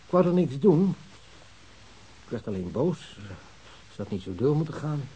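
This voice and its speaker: A confused, browbeaten husband in a radio drama. His voice is mellow and dark, and he stammers and hesitates through his confession. A faint hiss sits on the recording. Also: fairly high pitch, big pitch swings, moderate pace, poor audio. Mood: weary confession.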